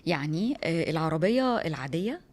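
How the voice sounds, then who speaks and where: A woman in her thirties with an Egyptian Arabic accent, a rally driver telling her story in a lively, excitable way as an interview guest. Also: low-pitched, a little fast. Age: 30s. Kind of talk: casual interview talk.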